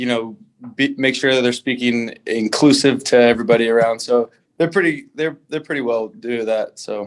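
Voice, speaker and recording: This man talks at a moderate pace with an Oklahoma accent. His pitch sits in the middle range and varies in an ordinary way. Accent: Oklahoma American. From Oklahoma, US. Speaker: rugby player. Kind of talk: interview.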